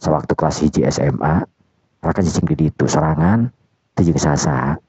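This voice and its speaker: A man voicing a handsome young man who calmly coaxes his girlfriend. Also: very deep voice, brisk, husky, dry recording. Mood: explaining. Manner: coaxing, calm reassuring. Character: handsome young man Raka, smooth persuader. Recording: dull dry lo-fi recording.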